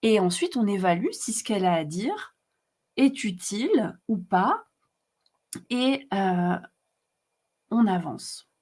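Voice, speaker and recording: A woman's voice: mid-range voice, very animated, slow, pauses often. A woman hosting a live stream, explaining emotions in a chatty way with many fillers and repetitions. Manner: warm, chatty, frequent fillers and repetitions, laughs often. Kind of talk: casual live teaching, reading comments.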